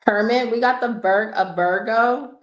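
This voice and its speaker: A woman's voice: a little high, unhurried, reverberant. A woman hosting a casual tarot livestream, telling a story in a chatty way and laughing often. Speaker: tarot reader and livestream host.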